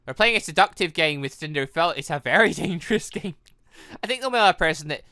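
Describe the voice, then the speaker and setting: Bright, animated gaming commentator. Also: mid-range voice, quick pace, no echo, clean studio sound. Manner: rambling, animated, giggly. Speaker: gaming video host. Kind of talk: excited reaction commentary over a visual novel.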